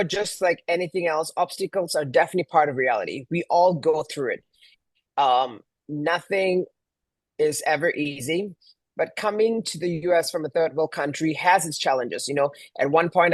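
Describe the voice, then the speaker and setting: As a guest being interviewed, a middle-aged Malaysian event planner from Kuala Lumpur tells personal stories in a conversational manner. His voice is fairly high-pitched, and there's no room sound.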